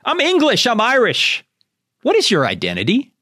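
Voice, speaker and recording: A man's voice: very high-pitched, wildly swooping pitch, normal speed, bright, forceful tone, no room sound, clean studio sound. A man with an American accent hosting a Christian radio talk show, addressing listeners directly in an emphatic, preacherly monologue with rhetorical questions.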